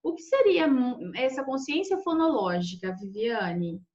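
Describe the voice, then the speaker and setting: A woman's voice: fairly high pitch, lively intonation, unhurried, a little mellow, roomy sound, highs cut off. A woman moderating a casual live discussion among teachers, reading out viewer comments and adding reassuring remarks with frequent tag questions.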